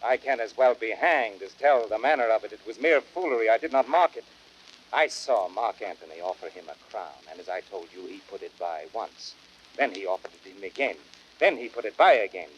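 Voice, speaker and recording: An actor playing a sour, blunt, scornful Roman cynic with dry, sardonic classical stage delivery. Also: male voice, lowish voice, expressive, a little fast, muffled recording, close to an everyday voice. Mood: mocking, disdainful. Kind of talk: classical Shakespearean radio drama acting. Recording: noisy vintage spoken-word drama record.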